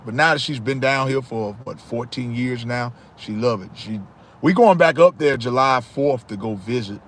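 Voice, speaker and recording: A man in his 30s from Charlotte, North Carolina, hosts a livestream, casually chatting with viewers and reading their comments. His voice is medium-pitched and a bit bright, moving at a moderate pace, and he repeats himself often.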